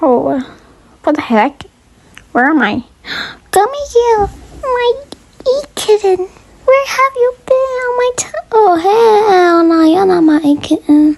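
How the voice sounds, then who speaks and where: Squeaky and put on, this character voice moves at a moderate pace. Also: woman. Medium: cartoon. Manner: mocking, slangy.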